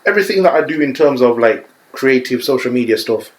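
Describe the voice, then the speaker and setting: A man's voice: mid-range voice, lively intonation, fast, roomy sound. A man, a podcast guest chatting casually and animatedly, often repeating "you know what I'm saying". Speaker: podcast guest, content creator. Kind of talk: casual chat.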